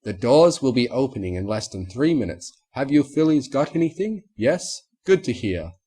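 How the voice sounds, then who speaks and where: A man's voice: mid-range voice, sing-song, moderate pace, dark tone, breathy edge, pitched above the performer's own voice. A man voicing a grandiose, flamboyant stallion who organizes the show, in a storybook reading. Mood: brisk. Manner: flamboyant, gushing.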